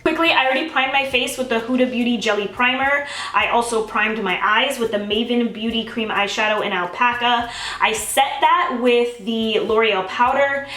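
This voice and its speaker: A woman's voice: on the high side, sharp tone, echoey room, far from the mic, a little hiss or hum, low-quality recording. A young woman chatting bubbly and gushing through a makeup tutorial at home, talking straight to her viewers. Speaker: beauty vlogger. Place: home, filming herself.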